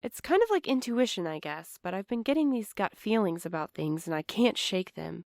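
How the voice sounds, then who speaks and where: A woman acts out an apologetic, worried young woman in an audio drama. Her mid-range voice comes in halting, earnest phrases. The recording is dry, with very little room sound. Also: mid-range voice, sing-song, darkish tone, dry recording. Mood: guilty, hesitant. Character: anxious, apologetic young woman postal worker investigating for her girlfriend. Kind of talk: fiction podcast audio drama acting.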